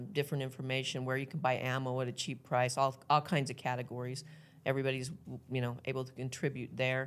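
This woman talks at a very fast pace with an American accent. Her pitch is very deep and low, and her intonation stays monotone and flat. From Utah, Morgan County. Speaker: community preparedness organizer. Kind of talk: casual interview.

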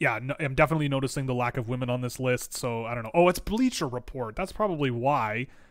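An animated man with a Canadian accent races along at a very fast pace with hardly any pauses, medium pitch and ordinary pitch variation. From Canada, Toronto. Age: 30s. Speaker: hockey draft analyst streamer. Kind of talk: live stream commentary. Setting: live online stream.

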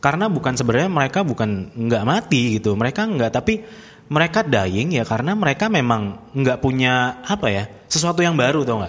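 With a strong Javanese accent, a man speaks at a fairly quick pace. His pitch swings very widely. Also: medium pitch for a man. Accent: strong Javanese (medok). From Surabaya, East Java. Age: 30s. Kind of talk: casual chat.

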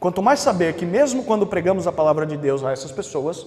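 Noticeable background noise surrounds a man's high-pitched voice. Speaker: preacher. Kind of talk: sermon. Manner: fervent, rhetorical, building with repeated phrases; direct, pleading appeals to the listener.

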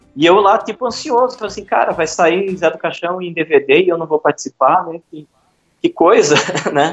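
A man's high voice with ordinary pitch variation and big swings in loudness, at a moderate pace over music in the background. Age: 50s. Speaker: film researcher and critic. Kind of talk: casual interview. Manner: halting, many fillers.

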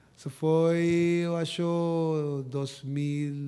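In a Venezuelan accent, a man speaks with a dark, mellow tone. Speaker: musician. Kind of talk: casual talk-show interview. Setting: TV studio. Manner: halting.

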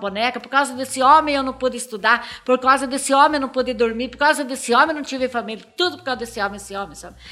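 Against noticeable background noise, a woman speaks at a very fast pace. Her pitch is high and her intonation fairly even. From Paraná, Brazil (Irati). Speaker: pastor. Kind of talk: testimony.

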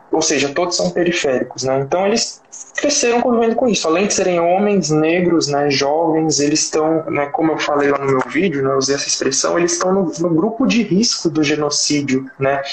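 Over noticeable background noise, a man with a São Paulo accent talks at a fairly quick pace with lively intonation. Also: fairly high pitch for a man, hardly any pauses, very even loudness. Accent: Paulistano Brazilian Portuguese. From São Paulo, Brazil (north zone periphery). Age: 20s. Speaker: social sciences student. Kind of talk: casual chat. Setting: Instagram live.

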